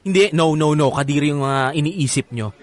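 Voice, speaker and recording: A man's voice: fairly high pitch, moderate pace, lightly acted. An actor with a Filipino accent playing a haughty, exasperated gay man in a radio comedy drama, with campy, dismissive exclamations. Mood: disgusted.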